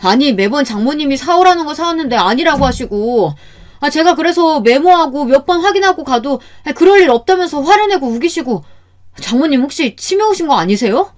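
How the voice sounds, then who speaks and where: A woman's voice: medium pitch, expressive, moderate pace, dark tone, slightly rough. A woman voicing a frustrated middle-aged son-in-law who complains with sighing "ah"s. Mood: exasperated. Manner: exasperated pleading, sighing "ah" before complaints.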